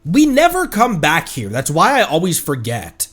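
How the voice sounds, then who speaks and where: A man's voice: on the high side, wildly swooping pitch, moderate pace, a bit bright. A man livestreaming a game with casual chat and reactions, rambling, playful and sweary. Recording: background music under the voice.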